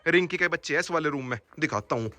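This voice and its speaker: Fast, bright-voiced man vlogging outdoors. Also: on the high side, no echo. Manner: calls out loudly to his dogs. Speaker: dog farm vlogger. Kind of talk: casual vlog commentary. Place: outdoors on a dog farm.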